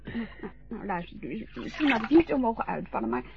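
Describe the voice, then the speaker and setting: An actress playing a spirited, soft-hearted young carer, informal, exclamatory and coaxing, in a radio play. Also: female voice, a little high, expressive, a little fast, vocal fry. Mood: concerned, soothing. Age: young adult. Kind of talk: naturalistic Dutch radio play acting. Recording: dull, muffled old radio recording.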